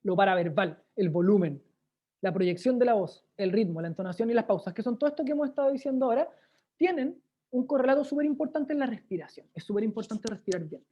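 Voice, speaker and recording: A woman's voice: fairly high pitch, animated, quick pace. A woman with a Chilean accent leading an online workshop on speaking, demonstrating exercises and often checking in with listeners. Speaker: workshop presenter. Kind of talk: lively online workshop teaching. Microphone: video call. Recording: dull lo-fi video call audio.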